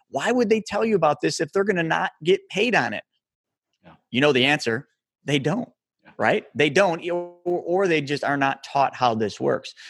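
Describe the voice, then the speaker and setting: Over music in the background, a man with fairly high pitch and very wide pitch swings talks at a moderate pace, the sound dry and close with no echo. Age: 40s. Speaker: financial educator. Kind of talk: interview. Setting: video call.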